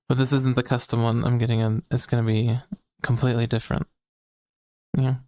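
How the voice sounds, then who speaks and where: A woman's voice: very deep voice, moderate pace, no echo, clean studio sound. A trans woman co-hosting a casual podcast, chatty and giggly, tired and working on a feminine voice. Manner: giggly, laughs often, animated. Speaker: podcast co-host and streamer. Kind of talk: casual chat.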